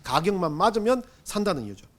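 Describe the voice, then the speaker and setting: A male pastor preaching a Sunday sermon in a high, bright-pitched voice that leaps up and down with lively, sweeping intonation. He talks to the congregation conversationally, firing off rhetorical questions, then drops to a hush before rising again. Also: fast talker. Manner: swings between loud emphasis and hushed asides.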